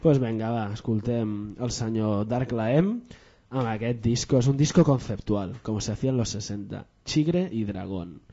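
A man's voice: on the low side, normal speed, few pauses, warm tone. A man with a Catalan accent hosting a radio show in a loose, chatty way with plenty of fillers. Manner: loose and chatty, switches between Catalan and Spanish, many fillers. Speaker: radio host. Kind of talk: casual radio chat. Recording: dull lo-fi radio recording.

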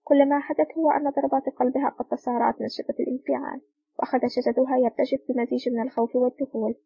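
A woman narrating a spy novel as an audiobook, in a rapid, steady reading on a slightly dull lo-fi recording. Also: sits high, vocal fry, husky, dry recording.

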